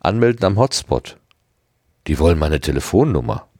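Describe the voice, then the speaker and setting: A man's voice: low voice, lively intonation, normal speed, warm tone, breathy edge, dry recording, clean studio sound. A man reading aloud, voicing a carefree, snappy teenage girl. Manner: matter-of-fact, snappy.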